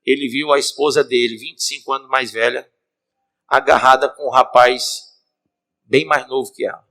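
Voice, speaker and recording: This preacher, a bishop, has a gravelly, medium-pitched voice at a normal speed and speaks with a Cearense Brazilian Portuguese accent. Animated, he addresses the congregation directly, calling out to them while telling a sermon story in church.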